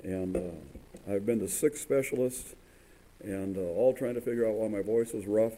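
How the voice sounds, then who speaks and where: A man preaching a sermon in a church, his voice rough, often halting with fillers and restarts. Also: on the low side, warm tone, slight background noise. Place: church sanctuary.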